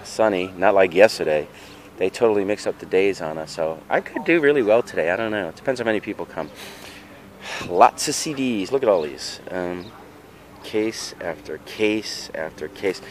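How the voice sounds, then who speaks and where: Man, very low voice, chatty rambling vendor, outdoor street fair, handheld camera, faint outdoor noise behind. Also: animated, normal speed. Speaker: flea market vendor. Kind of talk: casual vlog walkthrough.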